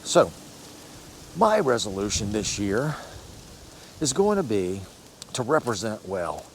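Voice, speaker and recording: An American man in his sixties hosts a fitness vlog, chatting casually to the camera in a rambling, encouraging style and often correcting himself. His voice sits on the low side with big pitch swings, he speaks slowly, and there's a slight hiss or hum.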